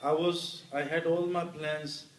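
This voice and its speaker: A middle-aged man from Pakistan, an interview guest and former cricketer, telling stories warmly with many fillers. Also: a little high, level tone, unhurried, slight background noise. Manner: warm anecdotal telling with many "you know" fillers. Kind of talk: storytelling in an interview. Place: hall with an audience. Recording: roomy hall, voice picked up from a distance.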